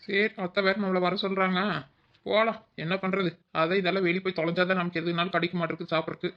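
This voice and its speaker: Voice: mid-range voice, little pitch movement, fast talker, lightly acted. A performer voicing a young village daughter-in-law in a cartoon, whiny and muttering to herself. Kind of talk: cartoon voice acting. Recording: dull lo-fi recording.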